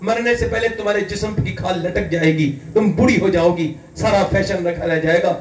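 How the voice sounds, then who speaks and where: A man from India preaching an impassioned sermon, fervent and building to loud emphatic peaks. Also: high voice. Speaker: Islamic preacher. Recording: echoey hall, distant mic, faint ambience.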